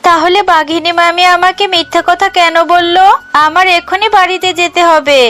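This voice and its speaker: Woman voicing a high-pitched gentle mother fox. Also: steady tone, moderate pace. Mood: worried. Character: gentle, trusting mother fox with a young daughter. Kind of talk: children's cartoon dubbing.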